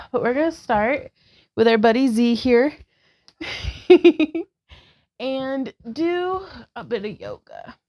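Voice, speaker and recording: A woman in her thirties leading a guided yoga session as a vlogger, cueing each pose calmly and gently. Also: on the high side, slow, long pauses. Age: 30s. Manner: calm, gentle cueing with breath prompts. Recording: slightly dull lo-fi sound.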